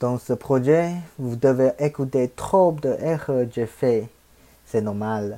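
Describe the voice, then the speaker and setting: Here a man talks at a very slow pace in a medium pitch. His tone is dark and mellow. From Taiwan. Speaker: podcast host, French learner. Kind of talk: language-learner monologue. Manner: halting.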